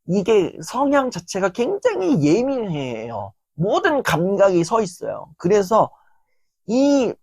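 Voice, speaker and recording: A woman giving a motivational lecture in a lively, animated way, often acting out quotes. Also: medium pitch, husky, no echo. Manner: animated, acts out quoted lines.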